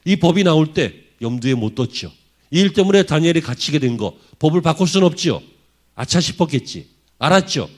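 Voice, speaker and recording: A man's voice: on the high side, expressive, fast. A man preaching a sermon as a pastor in a church, driving his points home with rhetorical questions to the congregation. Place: church sanctuary.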